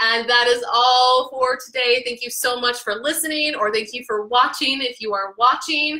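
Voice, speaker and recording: A woman's raised, projected voice with ordinary pitch variation amid noticeable background noise. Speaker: podcast host. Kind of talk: solo podcast talk. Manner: gets louder when excited; casual, animated.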